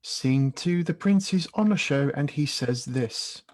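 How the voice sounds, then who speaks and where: A man's voice: a little high, expressive, measured pace, a little mellow. A man reading scripted scene-setting narration as the narrator of a staged reading.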